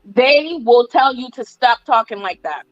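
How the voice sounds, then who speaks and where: A woman's voice: a little high, expressive, measured pace, no room sound, dull audio. A woman chatting casually as co-host, agreeing and chiming in with her own stories. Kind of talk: casual chat.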